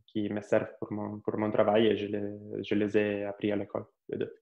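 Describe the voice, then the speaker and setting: A man in his thirties with an Italian accent, an astrophysicist answering interview questions with many pauses, fillers and restarts. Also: lowish voice, monotone, creaky. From Italy. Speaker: astrophysicist guest. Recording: echoey, dull lo-fi live stream.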